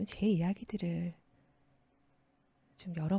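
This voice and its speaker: In a dry, close sound with no echo, a woman speaks at a very slow pace in a calm, dark, mellow tone that is somewhat breathy, with ordinary pitch variation. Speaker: announcer / radio host. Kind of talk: casual personal monologue, diary-like talk. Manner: calm, soft, conversational.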